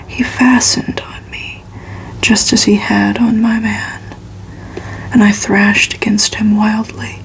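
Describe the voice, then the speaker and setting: A woman whispers softly in an ASMR reading style, keeping her intonation very even and gentle. Her voice is breathy and a little cracked from a recent cold, with some shortness of breath. She takes her time with each phrase. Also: a little high, low-quality recording. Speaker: host of an ASMR reading channel.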